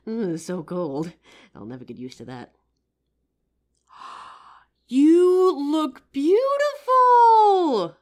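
A woman playing a kind, playful psychic who gently helps a ghost in an audio roleplay. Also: a little high. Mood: excited, warm. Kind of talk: audio roleplay addressed to the listener.

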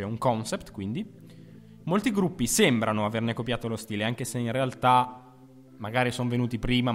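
A man's voice: medium pitch, in a large hall. Jokey man co-hosting a music explainer. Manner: jokey, chatty, self-mocking. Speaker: co-host of a music history video. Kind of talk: scripted explainer with playful banter.

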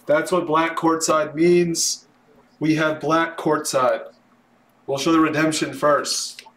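A man hosting a live sports card break, announcing names in an excitable, drawn-out way, his voice starting to wear. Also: on the high side. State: voice starting to give out. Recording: roomy echo, background noise.

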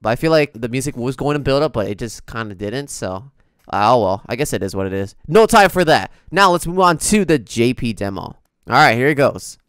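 A man's voice: mid-range voice, animated, a little fast, fairly bright tone, clean tone, no room sound, clean studio sound. A young man hosting a gaming reaction video, chatting casually in an informal, slangy way. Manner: informal, slangy, easily amused.

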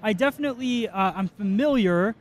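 A man in his thirties hosts a casual chat at a trade show booth, his voice sitting high for a man. He sounds chatty and upbeat, scattering casual fillers as he leads the questions. He holds a handheld mic close. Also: lively intonation, brisk. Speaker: interviewer, hairdresser. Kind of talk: casual interview.

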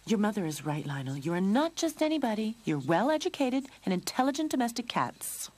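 Storybook lady cat owner, played by a woman: kindly, earnest, raised pitch. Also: sing-song, a little fast, darkish tone.

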